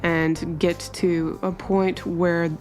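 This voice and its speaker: A woman's voice: fairly low pitch, little pitch movement, extremely slow, a little mellow, faint music behind. A woman narrating her character's actions as a player in a tabletop roleplaying game.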